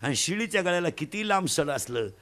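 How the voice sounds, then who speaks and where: High-voiced man preaching a comic sermon. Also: fairly quick. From Maharashtra. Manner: animated, loud bursts, mimics village folk. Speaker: kirtan preacher.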